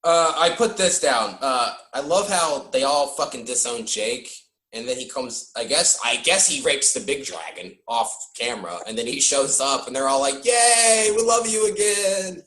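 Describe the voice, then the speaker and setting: A man hosting a podcast, chatting casually about a film, animated and joking, swearing now and then. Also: mid-range voice, echoey room. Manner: animated, swearing, quick jokey impressions. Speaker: podcast host. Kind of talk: casual film-review chat.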